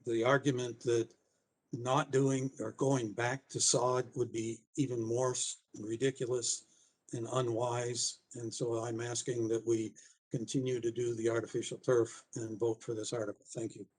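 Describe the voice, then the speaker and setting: A man making an unscripted argument at a public meeting, halting as he thinks aloud. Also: medium pitch, little pitch movement, slightly rough, rough recording. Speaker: town meeting member.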